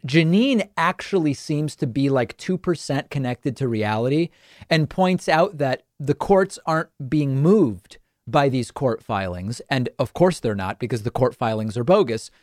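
Male talk host, mid-pitched, scornful and sarcastic, dry close sound. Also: lively intonation, a little slow, no echo. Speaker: political talk show host. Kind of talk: opinionated political commentary.

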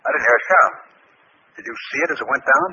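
Anxious male space pilot, forceful sharp voice, swooping intonation, excitable, old radio science-fiction drama. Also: mid-range voice, fast. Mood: alarmed. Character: anxious, incredulous male space pilot stranded on a strange planet. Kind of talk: 1950s radio drama acting. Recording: muffled, noisy 1950s radio recording.

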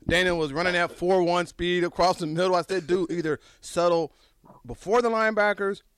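A middle-aged man chatting casually about his football days as a former player, telling stories in an animated way and repeating himself. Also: high-pitched, brisk, smooth, no room sound, studio quality. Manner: animated storytelling, repeats phrases, says "dude" often. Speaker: former college football quarterback, show guest. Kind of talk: casual sports chat, reminiscing.

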